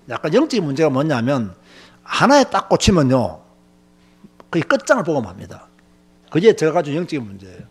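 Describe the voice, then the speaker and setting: A man's voice: a little high, husky. A male pastor preaching a sermon, telling stories emphatically with lots of filler words. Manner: emphatic, animated storytelling with many filler words.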